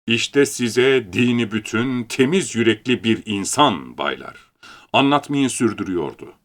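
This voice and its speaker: A man reading a first-person story aloud as an audiobook, with animated, theatrical storytelling. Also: lowish voice, unhurried.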